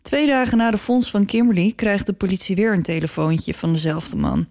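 A woman's voice: medium pitch, a little fast, vocal fry, a little mellow, no echo. A woman hosting a podcast, telling a true-crime story in a conversational style.

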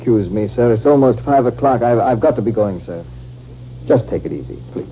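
A man acts a dutiful army captain in 1950s radio science fiction. He has a medium-pitched voice and clipped, measured military diction. The recording is dull and faintly noisy. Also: animated, close to an everyday voice. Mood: placating. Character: smooth, dutiful army captain, secretly a cold spy. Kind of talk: 1950s radio drama acting.

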